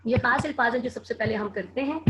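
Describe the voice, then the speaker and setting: A woman teaching a children's lesson, spelling words out slowly and clearly letter by letter. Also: a little high, music in the background.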